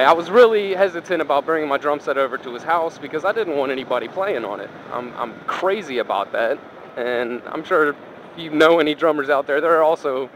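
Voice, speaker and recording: Higher-voiced man talking inside a motorcycle helmet. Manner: rambling, profane, colloquial. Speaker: motorcycle vlogger. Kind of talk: casual first-person storytelling. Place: inside a helmet while riding a motorcycle outdoors. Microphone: helmet microphone. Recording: engine and road noise, helmet mic. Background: motorcycle and traffic noise.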